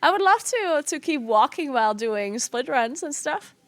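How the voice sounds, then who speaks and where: High-pitched and expressive, this South Tyrolean woman talks at a normal speed, chatting casually on stream in English, which isn't her first language. She's a game streamer and esports caster with a giggly manner, laughing often. There's no room sound.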